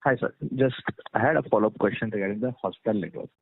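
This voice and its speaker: Male analyst, lowish and fast, dry telephone sound. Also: no echo. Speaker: analyst asking questions. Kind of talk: conference call questions. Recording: dry, phone-like audio.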